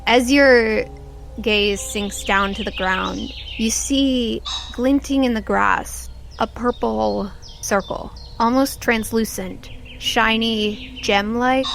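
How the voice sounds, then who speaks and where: A woman hosting as game master of a tabletop audio drama, narrating to listeners over a soft background bed. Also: on the high side, slow pace, vocal fry, faint music behind. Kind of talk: narrating an actual-play game, then scripted credits.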